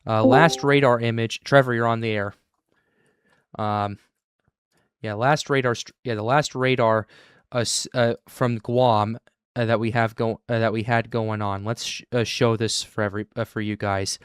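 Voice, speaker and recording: A man hosting a live weather stream, talking in halting bursts with many restarts. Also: medium pitch, fairly even intonation, smooth, no echo, studio quality. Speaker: livestream host.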